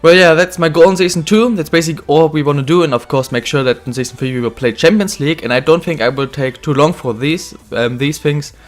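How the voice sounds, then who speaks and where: A man's voice: a little high, fast, hardly any pauses, soft background music. A young man with a slightly ill voice, talking through a football career-mode game in casual, rambling commentary full of fillers and self-corrections. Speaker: gaming video host.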